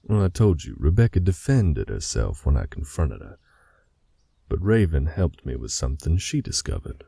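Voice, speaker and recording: A man voicing a stern, protective male werewolf pack leader in a fan audio drama, with a husky, gravelly voice and a firm, measured delivery. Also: extremely low pitch, sing-song, dark tone, no room sound, studio quality, exaggerated voice.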